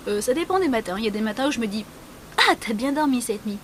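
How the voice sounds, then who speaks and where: A woman's voice: a little high, expressive, fast talker, slight background noise. Blunt, sarcastic young woman vlogger. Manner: blunt, frank and sarcastic, with many fillers. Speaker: beauty vlogger. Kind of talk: casual vlog answering a question tag.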